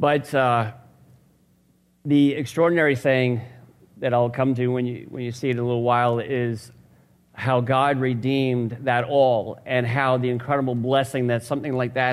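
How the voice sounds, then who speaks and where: A man speaks at a moderate pace in a medium pitch, his intonation flat and monotone. Room echo is audible around him. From US Northeast, Long Island, New York. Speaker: missionary. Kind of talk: sermon. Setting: church. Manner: halting, many fillers.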